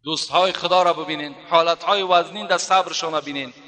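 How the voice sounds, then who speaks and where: A man preaching a storytelling sermon, speaking to his listeners as dear brothers and slowing down to recite Arabic phrases. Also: on the high side, fairly even intonation, pushed and bright. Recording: long hall reverb.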